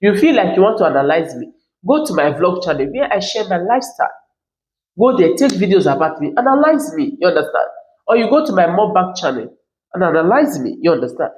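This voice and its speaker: A woman's voice: on the low side, very animated, a little fast, darkish tone, roomy sound, rough recording. A woman with a Nigerian accent giving her opinion as a commentary channel host, emphatic and often asking "you understand?". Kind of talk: reaction commentary monologue.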